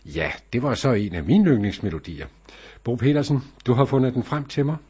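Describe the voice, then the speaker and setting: A man's voice: medium pitch, sing-song, darkish tone, slightly rough. A man hosting a local radio show from the studio, chatting casually and rambling with many fillers.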